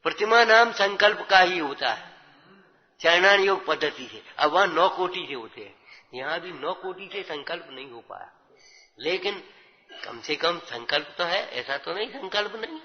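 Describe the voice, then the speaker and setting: A man gives a scripture-based sermon as a religious teacher, pressing his listeners and asking rhetorical questions to gauge their grasp. His high-pitched voice is expressive and moderately paced, and the recording sounds dull and lo-fi with extended hall reverb.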